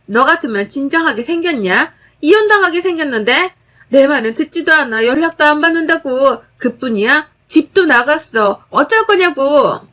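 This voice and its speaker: A woman voicing a spoiled young sister-in-law who shouts frantically and accuses. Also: sits high, animated, moderate pace, pitched above the performer's own voice. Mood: frantic.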